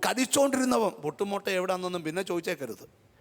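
A middle-aged woman preaching a fiery revival sermon, telling stories dramatically and breaking into shouts between amens and hallelujahs. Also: fairly low pitch, expressive, fast. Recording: long echo of a large hall.

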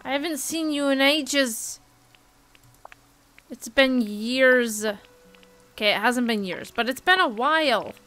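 Bubbly, bright-voiced woman streamer. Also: high voice, slow pace, pauses often, faint music behind, low-quality recording. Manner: bubbly, gushing, chatty. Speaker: game streamer. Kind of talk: casual gameplay commentary.

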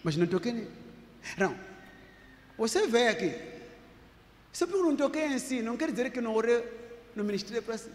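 A male apostle preaching and demonstrating healing before a congregation, talking emphatically and repeating himself, sometimes rising to shouts. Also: very high voice, animated, quick pace, long pauses. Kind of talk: sermon with live healing demonstration. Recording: echoey hall with faint noise.

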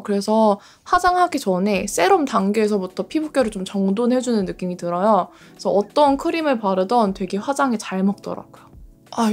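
A woman's voice: medium pitch, darkish tone. A woman in her late twenties chatting casually in a skincare vlog, gushing about products as she applies them. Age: late 20s. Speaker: beauty creator. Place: bedroom in front of a door.

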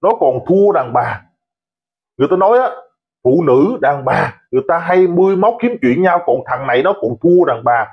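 A man's voice: a little high, animated, normal speed, husky, narrow, tinny audio. A man giving a heated, mocking commentary monologue, scolding and insulting his critics. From Vietnam. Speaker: online commentator.

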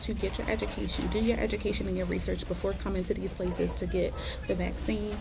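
A woman's voice: fairly low pitch, gravelly. A woman in her thirties talking informally to her phone at arm's length in a casual vlog. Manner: informal, conversational. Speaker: vlogger. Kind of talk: casual storytime vlog chat. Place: small spaces: pharmacy corner, then parked car. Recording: music behind the voice.

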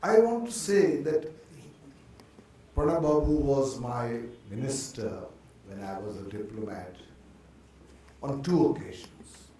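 Older man, formal tribute speaker at a lectern, slow deliberate pace, distant mic in a reverberant hall. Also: medium pitch, expressive, mellow, a little hiss or hum. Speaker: panel speaker. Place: large auditorium. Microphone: lectern mic, far camera. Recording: echoey hall from far off.

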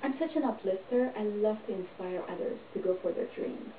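A middle-aged woman performer giving a deadpan, tongue-in-cheek monologue to camera. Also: mid-range voice, fairly quick, slight background noise. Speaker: comedy performer. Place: small indoor room, plain wall. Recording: echoey, distant, dull home recording.

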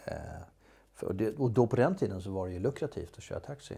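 A man's voice: fairly low pitch, mellow, slightly rough. En man, skådespelare, som berättar avslappnat i en intervju, tvekande med många utfyllnadsljud och omstarter. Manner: hesitant, many fillers and restarts. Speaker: interview guest, actor. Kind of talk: casual storytelling interview.

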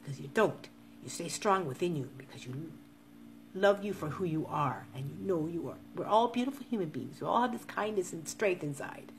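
A woman's voice: on the low side, animated, normal speed, slight background noise. A woman in her fifties speaking to live-stream viewers in a casual monologue, earnestly repeating encouraging urges. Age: 50s. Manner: earnest, repetitive motivational urging.

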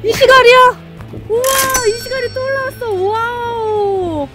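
A very high-voiced woman with a lilt gasps and shouts with delight at each fish pulled up on a seaside pier. Her bright exclamations ring over background music. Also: a little slow. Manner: exclaims loudly, cheers at each catch. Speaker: fishing vlogger. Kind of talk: excited casual commentary.

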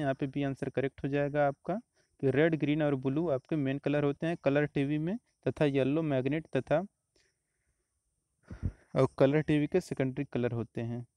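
A man, teaching exam questions step by step in a steady, explanatory way. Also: fairly high pitch, moderate pace, smooth, no echo. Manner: steady explanatory, repeats answers, frequent "तो देखिए" and "आपका".

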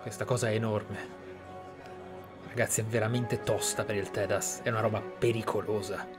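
A man from Italy giving reflective roleplay commentary on a game as a streamer, with dramatic pauses. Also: fairly low pitch, fairly even intonation, over music. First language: Italian. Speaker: streamer, let's player.

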